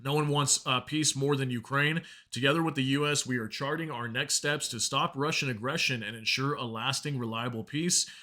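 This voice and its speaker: A man with a bright, forceful voice at a medium pitch hosts a news commentary. He explains reports informally and reads statements aloud, talking directly to his viewers. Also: steady tone, moderate pace, few pauses. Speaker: news commentary channel host.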